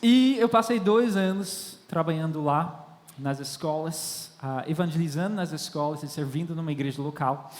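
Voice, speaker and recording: Speaking at normal speed, a high-voiced young missionary gives a guest sermon full of storytelling to a congregation. He grew up in France with Irish parents, Portuguese is not his first language, and the large church hall adds a long echoing reverb.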